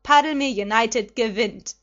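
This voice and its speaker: A woman voicing an excited male sports commentator calling the action. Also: on the high side, a little fast, lo-fi sound, lightly acted.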